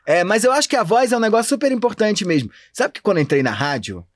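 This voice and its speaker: A Brazilian man, an anthropologist, talking fast and animated in a casual podcast interview. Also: sits high, no room sound, clean studio sound. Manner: animated, talks fast and thinks aloud. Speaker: anthropologist guest.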